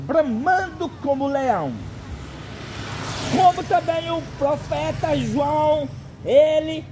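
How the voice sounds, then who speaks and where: A Brazilian man preaching a prophetic sermon in a solemn, halting way, in short phrases. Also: very high-pitched, noisy background.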